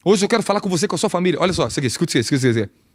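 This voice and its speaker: A man preaching a sermon as an apostle, animated and conversational, with a Brazilian Portuguese accent and frequent rhetorical questions. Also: a little high, rapid-fire.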